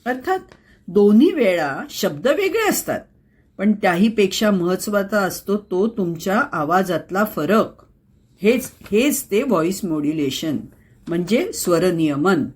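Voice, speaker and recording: A woman presenting a conversational, scripted voice-skills explainer speaks in a sing-song, unhurried way. Her medium-pitched voice is a little mellow and slightly rough, and her theatrical delivery is emphatic, full of rhetorical questions.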